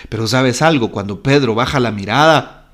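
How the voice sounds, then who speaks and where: A man, a Catholic priest, giving a fervent devotional reflection on the gospel, speaking straight to the listener and swinging from strong exhortation to soft, hushed passages. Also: mid-range voice, normal speed. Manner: fervent, repetitive preaching that swells loud and drops to a hush; addresses the listener directly and intimately.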